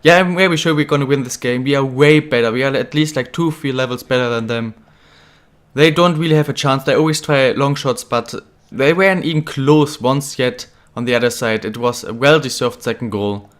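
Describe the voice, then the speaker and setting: A young gaming channel host who sounds a bit ill chats casually as he commentates his own football video game career, getting excited whenever a goal goes in. He speaks fairly quickly at a medium pitch.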